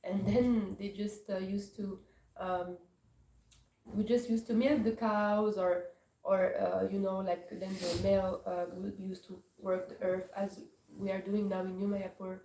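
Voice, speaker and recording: A woman from Morocco gives a scripture class, pausing often and searching for her words. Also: mid-range voice, flat delivery, warm tone. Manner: hesitant, searching for words with many pauses. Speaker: class speaker. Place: temple hall. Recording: echoey hall from far off, faint noise.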